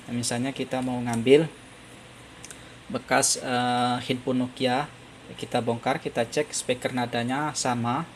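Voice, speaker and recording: A man's voice: medium pitch, creaky, a little hiss or hum. A man narrates a hands-on repair tutorial, explaining step by step and repeating his points. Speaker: phone repair tutorial presenter.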